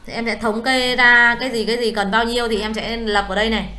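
A woman tutors a student one-on-one in accounting software, going step by step and often checking that she's understood. Her voice is a little high, her intonation fairly even, and her pace quick.

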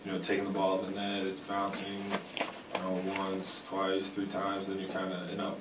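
Flat low-voiced young man, echoey press room. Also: normal speed. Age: young adult. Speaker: college basketball player. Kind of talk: postgame press conference answers. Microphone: table mic, far camera. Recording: echoey room, distant mic, noise.

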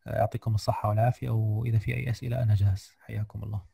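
A tired man giving a screen-share software lesson on a video call, hesitant with many fillers and English technical terms mixed in. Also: fairly low pitch, level tone, rapid-fire, creaky, breathy edge, no room sound. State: tired, slightly unwell voice. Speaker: guest lecturer.

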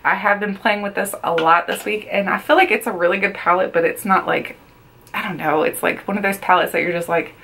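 Sitting at her makeup desk in a small indoor bedroom, a woman in her thirties talks through a casual get-ready-with-me as a beauty vlogger, saying she feels like she's losing her voice and repeating words to stress them. Her mid-range voice is bright and forceful, fairly quick with fairly even intonation, over a little hiss or hum.

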